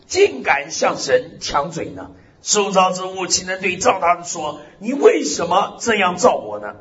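A man preaching a sermon in an animated way, drawing out key phrases and punctuating them with amens and hallelujahs. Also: unhurried. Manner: swings pitch widely, drawls key phrases. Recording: slightly dull recording with faint hiss.

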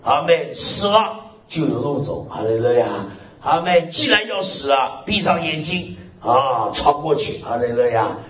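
A man pastor delivers an emphatic sermon, his voice lively and swinging widely in pitch. He punctuates his points with hallelujahs and amens. The recording is lo-fi and roomy, like an echoey church hall. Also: unhurried. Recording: echoey hall, dull lo-fi sound.

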